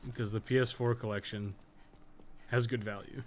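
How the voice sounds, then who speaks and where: A man's voice: mid-range voice, fairly even intonation, normal speed. Man casually commentating a game, noisy background. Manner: informal, candid, lightly swearing, conversational. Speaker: game streamer and guide maker. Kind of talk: casual live gameplay commentary, chatting with viewers.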